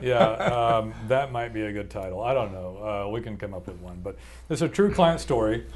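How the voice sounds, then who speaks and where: A man's voice: on the low side, expressive, normal speed, a little mellow. A man, co-hosting a casual business podcast and telling a client story in a rambling, self-mocking way with many restarts. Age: 40s. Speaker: podcast co-host.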